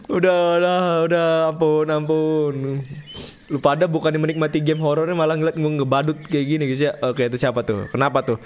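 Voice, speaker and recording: A man's voice: a little high, a little slow. A young man, streaming a horror game with rowdy, joking, slangy commentary and reading the game's text aloud. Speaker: gaming streamer.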